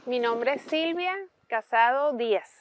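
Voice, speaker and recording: A woman's voice: fairly high pitch, unhurried, background noise. A woman from Cuba, telling her own story in a conversational, reflective way. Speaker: interviewee. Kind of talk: personal testimony.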